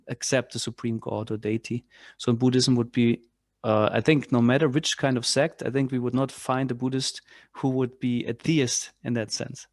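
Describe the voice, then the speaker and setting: Halting male lecturer, dry sound. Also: mid-range voice, dry recording. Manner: halting, many restarts and fillers. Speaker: class leader. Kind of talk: spiritual lecture with discussion.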